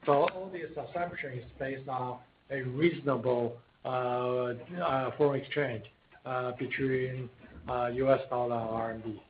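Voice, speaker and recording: A male company executive answering analysts' questions on an earnings call, speaking haltingly and choosing his words carefully over a phone line. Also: medium pitch, fairly even intonation. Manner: halting, deliberate, careful phrasing. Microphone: phone conference call. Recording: tinny phone line with faint noise.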